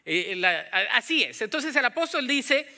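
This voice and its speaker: In a conversational sermon teaching the Bible, a pastor speaks Latin American Spanish at normal speed in a strikingly high, gravelly voice that is very bright and forceful. Animated throughout, he plays out imagined dialogue and keeps asking the congregation questions.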